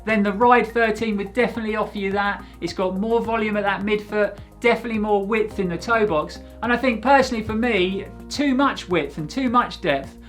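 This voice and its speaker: A man hosting his own channel, giving a steady, conversational product review of running shoes to camera. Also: high-pitched.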